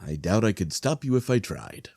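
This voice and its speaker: A man's voice: on the low side, sing-song, moderate pace, vocal fry, warm tone, no echo, studio quality. A man playing a weary, dismissive king with courtly, firm manners in a fantasy audio drama. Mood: weary, exasperated.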